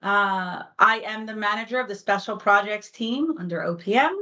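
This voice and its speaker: A woman's voice: medium pitch, moderate pace, bright, forceful tone. A woman from New York, a team manager, introducing herself and her team upbeat on a video call. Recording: dull lo-fi video call audio.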